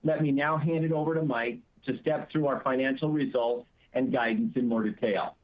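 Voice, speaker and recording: Male executive, mid-pitched, measured scripted delivery of earnings remarks, muffled conference-call sound. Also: fairly even intonation. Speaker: company chief executive. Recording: dull, band-limited conference call audio.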